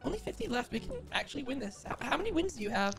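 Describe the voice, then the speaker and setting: A man's voice: extremely high pitch, sing-song, very fast, gravelly, background noise, full character voice. A man using a voice changer to play a shy, chatty teenage girl gamer; the voice sounds staticky and slightly robotic, full of fillers and restarts. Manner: rambling with many fillers and restarts. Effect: glitchy voice changer. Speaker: streamer pranking players.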